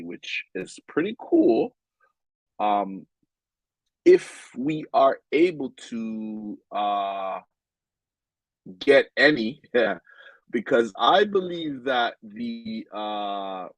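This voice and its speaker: A man's voice: mid-range voice, creaky, no room sound, low-quality recording. A man with a stuffed-up, nasal voice giving casual game commentary in a rambling way, with many ums and restarts. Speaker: game vlogger.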